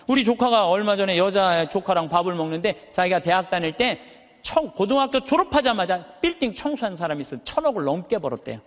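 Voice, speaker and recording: A man, a Catholic priest with a thick, carrying voice, preaching emphatically to a live audience with rhetorical questions. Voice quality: high but thick, full voice that carries. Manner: emphatic, uses rhetorical questions and stretched words for effect. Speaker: Catholic priest giving a lecture. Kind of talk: animated motivational sermon to a live audience. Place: large hall, speaking to an audience. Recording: reverberant hall.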